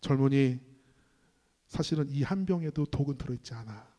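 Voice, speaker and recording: A man voicing a sly, mocking male devil who taunts and tempts. He speaks low and hushed. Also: sing-song, a little fast. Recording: long reverb in a hall.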